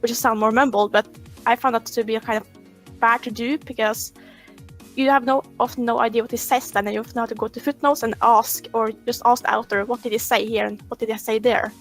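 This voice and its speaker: A woman's voice: on the high side, steady tone, a little fast, faint music behind. A woman guest on a podcast, chatting casually in a rambling, conversational way and telling anecdotes. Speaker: podcast guest, fanfiction writer.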